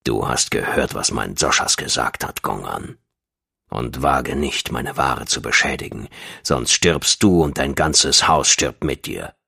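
A man voicing a calm, coldly resolute alien warlord in an audiobook, threateningly deep and hushed, with a measured, commanding manner. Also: creaky, husky, heavily acted. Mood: cold menace. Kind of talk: audiobook character voice.

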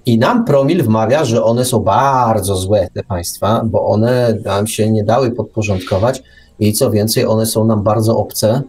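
On a talk show he co-hosts, a man with a mid-range, somewhat mellow voice launches into a sarcastic, opinionated rant. As a radio commentator, he punches home his points with rhetorical questions and repeats words for emphasis.

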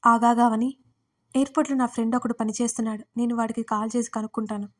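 A woman's voice: on the high side, level tone, fast, natural voice. A woman voicing a worried, caring young male friend in an audio story, soothing and concerned. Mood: reassuring.

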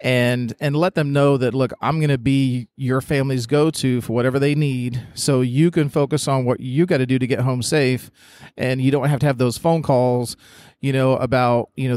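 A middle-aged man who grew up in England. He tells stories in a relaxed, chatty way as a podcast guest. The sound is dry and close. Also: mid-range voice, no room sound. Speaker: guest, real estate agent. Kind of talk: podcast interview.

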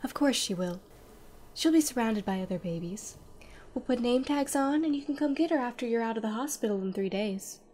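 An actress playing a kindly, reassuring pony nurse in a fan radio drama. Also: female voice, fairly high pitch, animated, brisk, a little hiss or hum, close to an everyday voice. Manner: gentle, reassuring.

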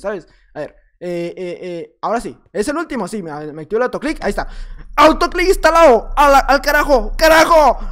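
A man with a Mexican accent giving excitable, joking gameplay commentary for his channel, muttering to himself and breaking into shouts. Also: high-pitched. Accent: Mexican Spanish. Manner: jokey, talks to himself, bursts into shouts. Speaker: gaming YouTuber.

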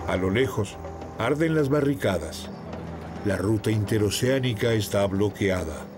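A man giving measured, scripted documentary narration. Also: fairly low pitch, animated. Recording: voice-over with music underneath.

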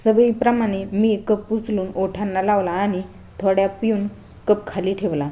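A woman narrates a first-person family love story as a storyteller. She speaks in a calm, even manner, and her voice is mellow and warm. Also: mid-range voice, normal speed.

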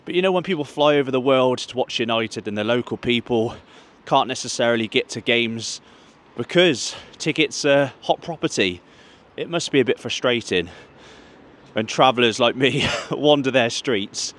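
A man's voice: mid-range voice, normal speed, a bit bright. A man, walking city streets and chatting to viewers in a football travel vlog, holding a mic. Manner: chatty, addresses viewers as guys. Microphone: handheld mic, camera at arm's length.

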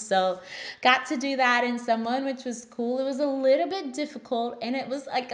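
A young woman from Trinidad with a Trinidadian accent, telling a story straight to camera in a small room, animated and full of ums and likes. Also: medium pitch. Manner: animated, gestures a lot, many ums and likes. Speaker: physician assistant vlogger. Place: small indoor room, plain grey backdrop.

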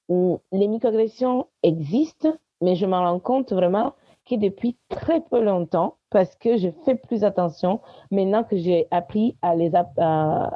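A woman's voice: mid-range voice, dry recording. A woman from Italy, speaking French as a podcast guest and sharing personal testimony in conversation. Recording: dry, dull lo-fi sound.

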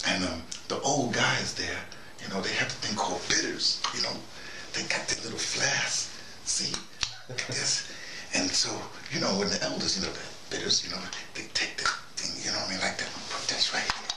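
An American man in his early sixties giving a rambling, informal monologue, halting and digressive, often repeating himself. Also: on the low side. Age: early 60s. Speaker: vlogger. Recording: roomy, noisy, distant microphone.

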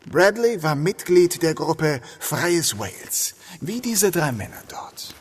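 Determined male detective, fairly high pitch, lively intonation, assertive, crime radio play. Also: slightly rough, heavily acted. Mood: confident, accusing. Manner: assertive, deliberate explaining. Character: determined, confrontational male police detective inspector. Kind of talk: German crime audio drama acting.

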